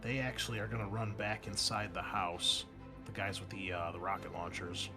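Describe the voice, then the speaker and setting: A man's voice: fairly low pitch, little pitch movement, normal speed, over music. A man running an online tabletop roleplaying game, explaining things in a casual way. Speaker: game master.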